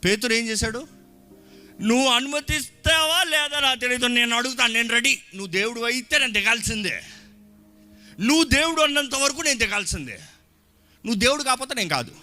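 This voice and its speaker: Male pastor, high lively voice, bursts of shouting, live church sermon recording with music under it. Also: brisk. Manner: shouting, mixing Telugu with English phrases. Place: church hall.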